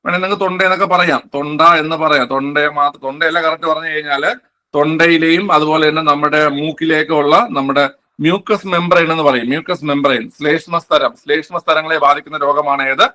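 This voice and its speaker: For exam aspirants, a male teacher leads an online quiz class in a casual classroom style, his bright voice sitting slightly high. He talks fast with fairly even intonation, repeats every answer, and often responds to his own questions.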